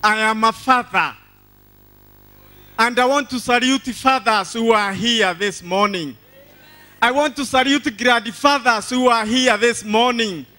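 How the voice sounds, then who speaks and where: High-pitched, forceful older Kenyan man preaching. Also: a little slow. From Embu County, Kenya. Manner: exuberant, declamatory, repeats phrases for emphasis. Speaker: church testimony speaker. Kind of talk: church testimony, preaching to a congregation. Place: large church hall stage. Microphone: handheld microphone.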